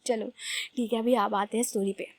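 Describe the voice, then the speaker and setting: A young woman talking in a high, bright voice. She rambles casually and often laughs at herself, like chatting with friends. The recording is dry and close, with no echo. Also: steady tone, brisk. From Uttar Pradesh, India. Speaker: storyteller. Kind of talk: casual storytelling vlog.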